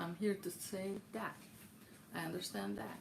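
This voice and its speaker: With noticeable background noise behind her, a woman speaks in a Portuguese accent. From Brazil. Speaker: YouTuber. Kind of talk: personal vlog. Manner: halting.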